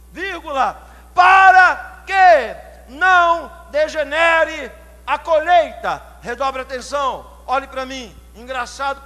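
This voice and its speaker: A man from São Paulo with a São Paulo Portuguese accent, preaching a sermon, questioning the congregation and building to loud shouted climaxes. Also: very high-pitched. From São Paulo, Brazil. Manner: asks the congregation direct questions. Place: church hall. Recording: long hall reverb, faint hum.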